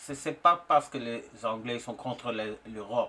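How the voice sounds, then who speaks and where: Speaking with a non-native accent, a man talks at a fairly slow pace with ordinary pitch variation. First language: not French (speaking French). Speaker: spokesman of an organization. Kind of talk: recorded public message. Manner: halting, many hesitations.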